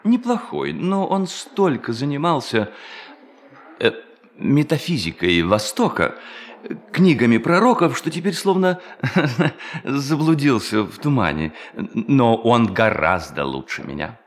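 A man acting in a radio play as a charming, glib, scheming young bank clerk, with a jovial, flattering, theatrical manner. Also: mid-range voice, slow pace, a little hiss or hum. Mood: jovial, teasing.

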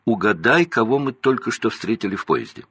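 A man voicing mischievous teenage twin boys who tease and joke in a high, bouncy put-on voice. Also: expressive, fairly quick, a bit bright, husky, dry recording. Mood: teasing.

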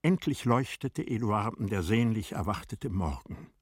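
A man with a lowish, breathy, husky voice narrates a literary radio drama. His storytelling is measured and expressive, and the sound is dry, with no room to it. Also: no room sound.

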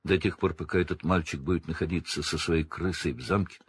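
A man voicing a hoarse, haunted escaped male prisoner in a storybook reading. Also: sits low, a little fast, no echo, clean studio sound, pitched below the performer's own voice. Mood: hoarse pleading.

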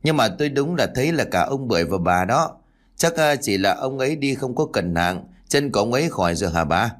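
A man's voice: medium pitch, animated, a little fast, natural voice. A man voicing a chatty elderly neighbor woman from the village, gossipy and inquisitive. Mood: curious.

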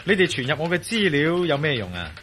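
A man playing a calm, decisive adventurer hero in a Cantonese radio play, talking in a terse, businesslike way. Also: on the high side, quick pace, slight background noise. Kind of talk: radio drama acting.

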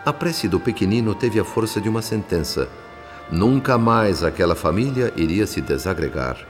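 An actor with a Brazilian accent playing a gentle, reflective spirit who narrates a radio drama in a measured, solemn way. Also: male voice, on the low side, lively intonation, natural voice. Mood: tender, solemn. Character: gentle, reflective male spirit narrator telling a family's story. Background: background music.

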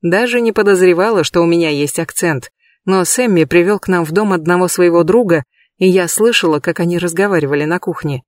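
A man giving a measured, lightly expressive first-person audiobook reading, recorded close in a booth. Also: sits high, no echo. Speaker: audiobook reader.

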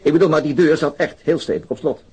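An actor playing a sober, methodical police inspector in a radio drama, dry and matter-of-fact. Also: male voice, fairly high pitch, quick pace, darkish tone, slight background noise, close to an everyday voice. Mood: explaining.

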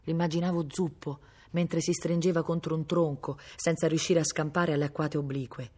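Low-voiced woman reading a novel aloud. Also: flat delivery, moderate pace, darkish tone, slightly rough. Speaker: reader. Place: public library.

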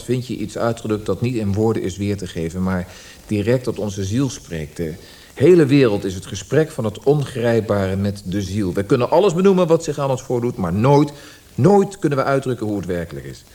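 An actor playing a brooding poet in a Dutch radio drama, speaking in a reflective, literary way. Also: male voice, medium pitch, expressive, normal speed, dark tone, lightly acted. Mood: fervent, searching. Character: brooding male Austrian poet tormented by language.

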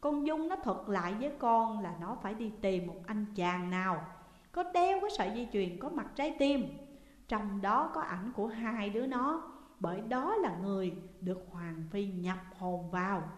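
A woman's voice: mid-range voice, expressive, moderate pace, close to an everyday voice. A woman with a Southern Vietnamese accent voicing a young schoolgirl friend who urgently confides a worry in an audio story, recorded in an echoey room. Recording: echoey room with long reverb.

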